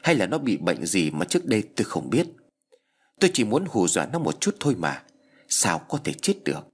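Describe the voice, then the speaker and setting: A man narrating a ghost story in a slow, grave storytelling voice. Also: lowish voice, wildly swooping pitch, breathy edge.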